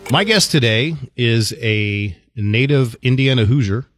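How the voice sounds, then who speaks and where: A man's voice: mid-range voice, animated, a little slow, a bit bright, no room sound, clean studio sound, faint music behind. Easygoing male podcast host. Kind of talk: casual interview chat.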